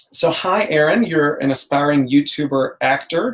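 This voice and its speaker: This man's voice sits fairly high and rises and falls with ordinary pitch variation. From US, Miami, Florida, Cuban American family. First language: Spanish. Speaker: public speaking coach. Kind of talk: webinar presentation. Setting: online webinar. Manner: animated.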